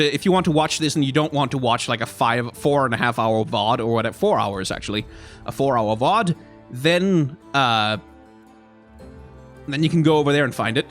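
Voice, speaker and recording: A young man streaming from home, chatty and rambling, his voice going slightly hoarse after hours of talking. His pitch sits in a middle range, and faint music plays behind him. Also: a bit bright. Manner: chatty, rambling, reacts to chat. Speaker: streamer reviewing card art. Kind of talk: casual live stream commentary.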